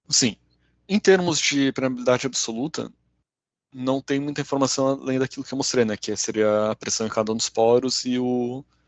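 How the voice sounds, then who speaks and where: A man speaks at a medium pitch, letting it vary in an ordinary way. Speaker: software trainer. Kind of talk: tutorial. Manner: fast.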